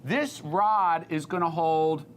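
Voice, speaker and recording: An American man teaching an engineering class informally, asking students quick questions and repeating their answers. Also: a little high, slight background noise.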